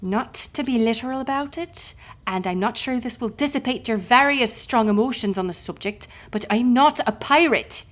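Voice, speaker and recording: A woman's voice: fairly high pitch, normal speed, close to an everyday voice. A woman playing a defiant, sarcastic, foul-mouthed ship captain held prisoner in an audio roleplay. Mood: sardonic, indignant. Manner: sarcastic, wordy, biting.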